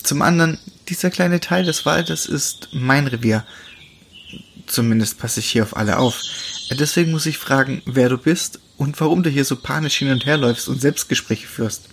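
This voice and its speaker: A man doing a friendly young male forest animal who keeps watch over his woods. He speaks calmly and reassuringly, mid-pitched and even. Crickets and birds chirp audibly behind him. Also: moderate pace, gravelly, slight background noise, close to an everyday voice.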